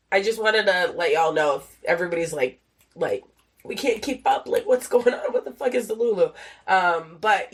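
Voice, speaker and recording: A young adult woman hosting a casual solo podcast, rambling with lots of fillers and swearing, a little nasal and sniffly from a cold. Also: fairly high pitch. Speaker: podcast host.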